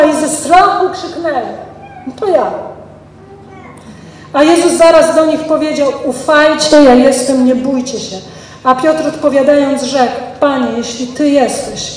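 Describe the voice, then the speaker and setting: A woman pastor preaches with a high, bright-pitched voice that rings through a church hall. She reads scripture and then retells it with emphatic, expressive preaching. The mic sits well away from her, so long reverb and faint room ambience surround every phrase. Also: distant mic, slight background noise. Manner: ends in prayer. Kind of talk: sermon.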